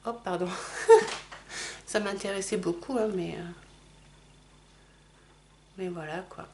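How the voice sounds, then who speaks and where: A middle-aged woman talks her viewers through a makeup tutorial in a relaxed, chatty way. She keeps apologizing for small slips, and faint clicks and handling noises come from behind her. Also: on the low side, measured pace, a little hiss or hum. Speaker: makeup vlogger. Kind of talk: casual makeup tutorial chat.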